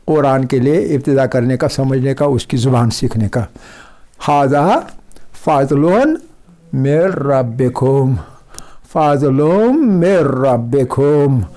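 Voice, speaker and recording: A man teaching a class on Quran recitation, patiently repeating example words slowly and checking that students follow. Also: mid-range voice, mellow. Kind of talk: classroom lesson.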